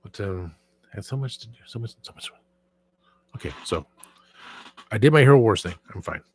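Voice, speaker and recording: A man's voice: fairly low pitch, lively intonation, moderate pace, a little mellow, slight background noise. A man hosting his own channel in casual, rambling chat, often restarting sentences and trailing off into asides. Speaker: channel host.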